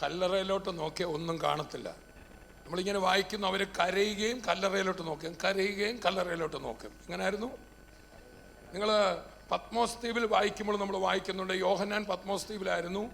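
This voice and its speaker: A man's voice: high voice, fairly even intonation, fast talker, creaky, a bit bright. A man preaching a fervent sermon to a congregation, his voice swelling and falling. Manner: fervent, rising and dropping in volume. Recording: hall reverb with faint background noise.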